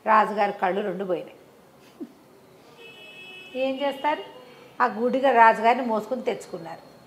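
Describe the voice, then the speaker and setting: A woman's voice: on the high side, lively intonation, normal speed, a little hiss or hum, low-quality recording. A woman storyteller narrating a folk tale in a conversational, explanatory way, repeating phrases for emphasis.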